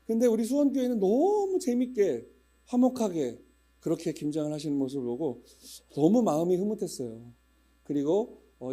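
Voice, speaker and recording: Before preaching, this man in his fifties, a pastor, makes casual church announcements, joking with the congregation and spinning stories full of regional dialect imitations. He speaks in a fairly high voice with a dark tone.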